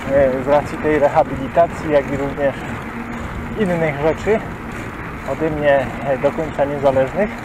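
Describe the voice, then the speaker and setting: A man's fairly high voice at a moderate pace, with long, frequent pauses, fairly even intonation, a dry sound with no echo and noticeable background noise. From Upper Silesia, Poland. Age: 30s. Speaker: cycling vlogger. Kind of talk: casual vlog monologue. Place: bicycle. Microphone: camera far.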